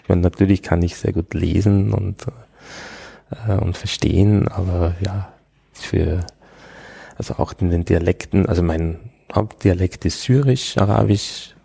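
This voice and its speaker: A man's voice: low-pitched, steady tone, measured pace, creaky, warm tone, slightly rough, no echo. A man, answering interview questions thoughtfully and hesitantly, with many fillers. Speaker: interviewee, Arabic scholar. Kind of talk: conversational interview.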